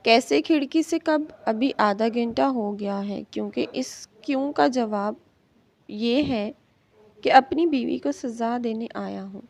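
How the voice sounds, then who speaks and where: A woman's voice: on the high side, gravelly, darkish tone. A woman reader voicing a possessive, angry young male professor who scolds and threatens his wife. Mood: domineering. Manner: harsh, commanding, threatening.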